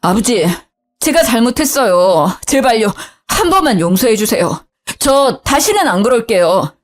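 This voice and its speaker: A woman's voice: a little high, big pitch swings, faint music behind. A woman voicing a guilty young husband who begs for forgiveness, in a storybook reading. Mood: begging. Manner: pleading, slow and apologetic. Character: guilty young husband, begging and weak-willed.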